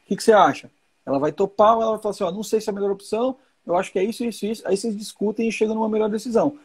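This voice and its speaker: A man's voice: high voice, racing, husky. A man in his forties hosting a live chat, explaining with reassurance and repeating key points. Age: 40s. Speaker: host.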